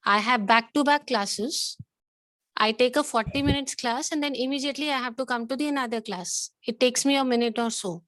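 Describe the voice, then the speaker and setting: A woman's voice: a little high, fairly quick, a bit bright, no room sound. A woman with a South Asian accent teaching an online class, questioning pupils in a stern, insistent way. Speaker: schoolteacher.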